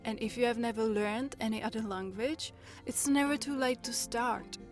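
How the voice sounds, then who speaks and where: A woman's voice: fairly high pitch, steady tone, faint music behind. Earnest Czech-accented woman vlogger. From Czech Republic. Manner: earnest and encouraging, with measured phrasing. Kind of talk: personal, reflective vlog talk.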